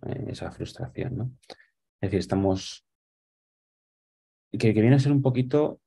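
Guy in his 40s, deep and mellow, lots of ehs and restarts, webcam call. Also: creaky, breathy edge. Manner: thoughtful, explaining with many fillers and restarts. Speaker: guest. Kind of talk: casual conversation on a video call. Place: small room at home. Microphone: webcam on a video call.

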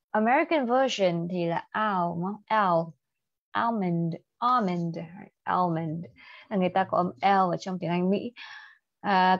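A woman's voice: mid-range voice, no echo, lo-fi sound. A young woman with a Vietnamese accent teaching an IELTS speaking lesson on a livestream, switching between Vietnamese and English and asking students questions.

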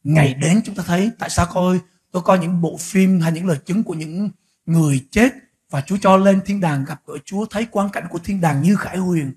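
A man preaching a sermon as pastor, swinging from quiet, slow stretches to loud, shouted peaks. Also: high voice, husky. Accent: Vietnamese.

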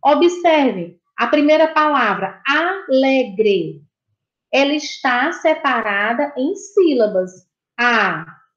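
A woman with a Brazilian Portuguese accent gives a video lesson to young pupils with a high voice. She talks slowly and patiently, repeats every point and praises the answers. The recording sounds dull and echoey, as if made in a bare room. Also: lively intonation. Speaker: primary school teacher.

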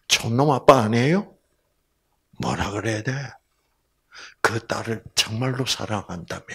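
A man's voice: medium pitch, gravelly, breathy edge. A man giving a storytelling Bible lecture to a live audience. He asks the audience questions, acts out the people in his story and often drops to a whisper. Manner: slow, animated delivery, often dropping to a whisper.

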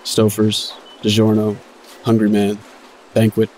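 Man playing a low-voiced, weary, wry narrator. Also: completely flat delivery, unhurried, darkish tone, slight background noise, natural voice, poor audio. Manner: dry, self-deprecating. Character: wry, weary working man narrating his own story. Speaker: first-person narrator of an audio drama. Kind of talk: scripted first-person narration, noir audio drama.

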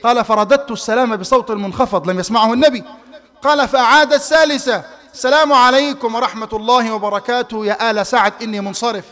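A man giving a Friday sermon in a mosque in colloquial Egyptian Arabic, swinging between loud emphatic peaks and soft asides. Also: very high voice, steady tone, quick pace. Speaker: preacher. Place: mosque hall. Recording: reverberant mosque hall livestream.

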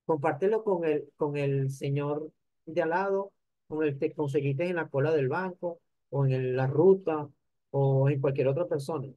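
An older man giving an animated motivational lecture, speaking straight to his audience. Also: fairly high pitch, moderate pace, dry recording, muffled recording. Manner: animated, addresses the audience directly. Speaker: conference speaker.

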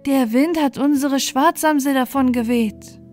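A woman's voice: high voice, unhurried, a little mellow, faint music behind, pitched above the performer's own voice. A woman voicing a worried, plaintive old village woman in a fairy tale.

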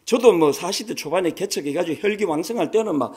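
A man in his sixties, a pastor, preaching a sermon in a conversational, animated way with many rhetorical questions. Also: high-pitched, fast talker, breathy edge. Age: 60s.

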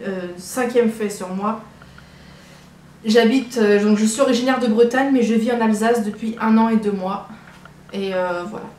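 Here a vlogger from Brittany, France, in her early twenties, chats to camera about herself in a rambling, hesitant way, often repeating herself. Her voice sits mid-range with a darkish tone. The setting is a small living room at home, the sound coming from a compact camera on a tripod about a metre away, so the room echoes and background noise is clear.

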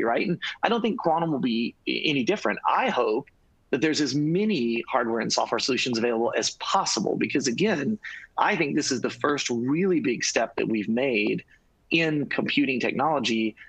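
A middle-aged man speaking energetically on a video call panel, quick and restarting his words often. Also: mid-range voice, breathy edge, dry recording, low-quality recording. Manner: energetic, repeats words, gestures with hands. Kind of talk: fast, enthusiastic panel discussion. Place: home studio room.

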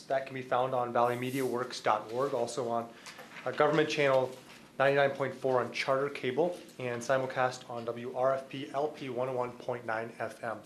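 Middle-aged American man chairing, slight background noise. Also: mid-range voice. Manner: procedural. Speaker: council president chairing a meeting. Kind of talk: formal meeting facilitation. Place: council chamber. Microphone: desk microphone. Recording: background noise in meeting room.

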